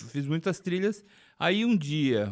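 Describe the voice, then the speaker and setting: On a very clean recording with total silence behind him, this man's intonation rises and falls in a lively way. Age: 60s. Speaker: film composer. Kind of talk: podcast interview. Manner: talkative.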